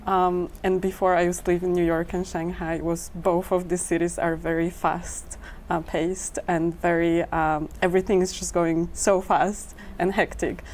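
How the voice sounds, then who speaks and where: A woman's voice: lowish voice, little pitch movement, normal speed, darkish tone, a little hiss or hum. A young woman in her twenties from Poland, a medical student on a panel, talking casually with many ums. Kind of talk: panel discussion.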